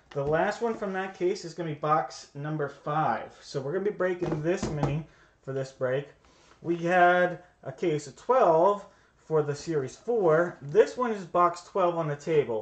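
The speaker has an upbeat tone and ordinary pitch variation, with noticeable background noise behind. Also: man, high pitch for a man. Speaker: sports card break host. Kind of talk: live pitchman-style sales stream, upbeat and rapid-fire. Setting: live video stream. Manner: upbeat, casual.

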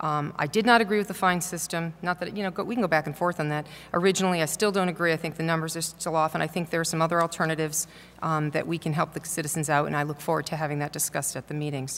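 A woman talks at a very fast pace. Her pitch sits fairly low. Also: fairly even intonation. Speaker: town councillor. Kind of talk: formal meeting. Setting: council chambers. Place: hall. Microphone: podium.

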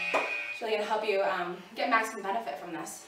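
A woman's voice with music in the background and audible room echo. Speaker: prenatal fitness instructor. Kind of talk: workout instruction. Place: home room. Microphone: camera far.

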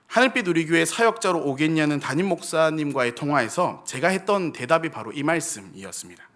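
A man speaks at a fairly quick pace with a fairly high pitch and a bright, sharp tone. The recording is very clean, its background silent. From South Korea, Gyeongsang province. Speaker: pastor. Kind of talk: sermon.

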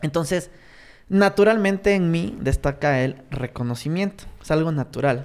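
Against a quiet background, a man with a fairly high pitch speaks in a plain, everyday voice at a fairly slow pace with lively intonation. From Ecuador, Loja; Ecuador. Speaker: entrepreneur; podcast guest. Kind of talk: casual chat. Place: studio. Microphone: studio mic.

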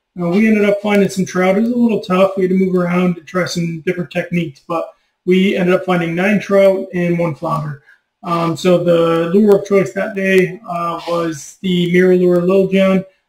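The man's pitch is high and his intonation is monotone and flat. There is audible echo from the room. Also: moderate pace. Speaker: fishing channel host. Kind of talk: casual vlog chat. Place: home room. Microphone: webcam.

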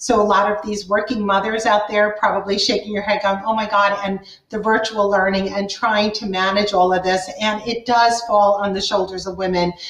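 In audible room echo, a woman speaks at a medium pitch and a moderate pace with hardly any pauses. Her intonation is monotone and flat. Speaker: business founder and speaker. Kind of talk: interview. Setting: video call. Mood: warm, candid. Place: home room. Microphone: video call.

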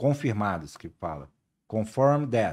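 A man talks at a medium pitch. His pitch swings very widely. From Brazil, São Paulo area; Brazil. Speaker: US Army sergeant, combat veteran. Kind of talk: casual podcast interview. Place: studio. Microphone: studio mic.

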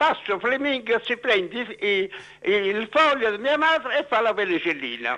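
A man talks fairly slowly. His voice is high-pitched. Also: quiet background. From Italy, Lazio. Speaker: caller; talk show guest. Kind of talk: phone-in rambling. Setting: phone call. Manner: halting. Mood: animated, rambling, amused. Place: studio. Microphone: lapel.

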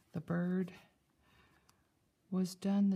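Quiet and somewhat breathy, a woman speaks very slowly in a dark, mellow tone. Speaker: crafter, journal maker. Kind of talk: craft tutorial show-and-tell. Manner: quiet, low-volume. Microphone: phone near.

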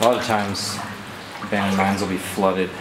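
Noticeable background noise behind speech at a moderate pace. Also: man. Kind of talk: casual exploration commentary. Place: tunnel cave. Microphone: phone near.

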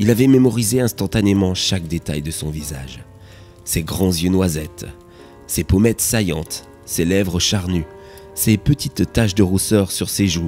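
With music in the background, a man speaks at a fairly slow pace, leaving long, frequent pauses. His pitch is very deep and low, with ordinary variation. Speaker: storyteller narrator. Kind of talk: story narration.

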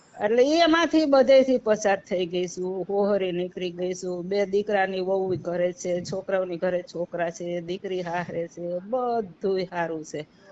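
A plain, everyday voice carries ordinary pitch variation. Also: woman, medium pitch for a woman. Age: 60s. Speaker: caller. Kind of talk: phone-in conversation. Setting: phone call.

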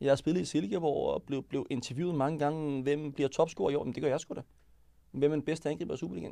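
The background is quiet as a man with a fairly high pitch and a dark, mellow tone speaks at a very fast pace with ordinary pitch variation. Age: 40s. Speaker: former professional footballer, football coach; podcast guest. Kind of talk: casual chat. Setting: studio. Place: studio. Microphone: studio mic.

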